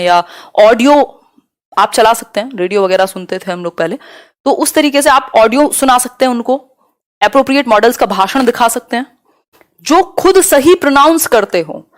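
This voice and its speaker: A young woman gives an exam-prep lesson in a slightly high voice. She explains each point patiently, spells out and repeats key terms, and keeps asking whether it is clear. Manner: explanatory, checks in with listeners often. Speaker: teacher.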